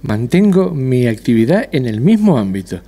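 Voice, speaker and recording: A middle-aged man from Argentina, a restaurant owner and dentist, answering interview questions in a measured way with frequent hesitations. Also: medium pitch, very animated, mellow. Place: decorated restaurant patio. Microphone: handheld interviewer mic.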